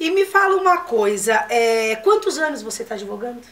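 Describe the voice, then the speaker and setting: A woman talks at a moderate pace while her pitch swings very widely. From Guarulhos, São Paulo, Brazil; São Paulo, Brazil. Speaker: TV talk show host. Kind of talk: TV interview. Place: studio.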